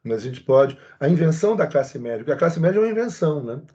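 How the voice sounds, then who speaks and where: A man's voice: fairly high pitch, big pitch swings, quick pace, warm tone. A Brazilian man giving a casual lecture, chatting and telling a story with many asides. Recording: husky voice, dull lo-fi sound.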